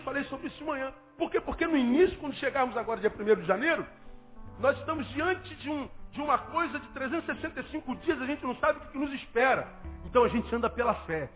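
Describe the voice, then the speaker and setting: A Brazilian man preaching a sermon as pastor, emphatic and repetitive, firing rhetorical questions at the congregation. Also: very high voice. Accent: Brazilian Portuguese. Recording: dull lo-fi audio with faint music.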